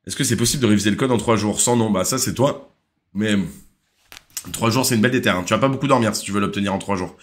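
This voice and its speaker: A young man with a French accent, hosting a casual live driving-theory quiz, chatty and hesitant, reading questions and answering viewers. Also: lowish voice. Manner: relaxed, chatty, full of hesitations. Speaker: driving school live host.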